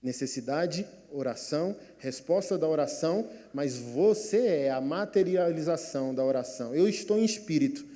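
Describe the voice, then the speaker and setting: A Brazilian man voicing God as a calm, patient voice who explains slowly, in a sermon. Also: on the high side, in a large hall, close to an everyday voice. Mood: calm teaching.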